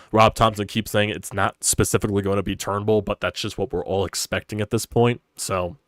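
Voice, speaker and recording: A man's voice: on the low side, no room sound, studio quality. Congested man on a sports stream. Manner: rambling, opinionated, swears casually. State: congested, stuffy nose. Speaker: sports podcast host. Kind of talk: casual solo sports talk stream. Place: hot stuffy room at home.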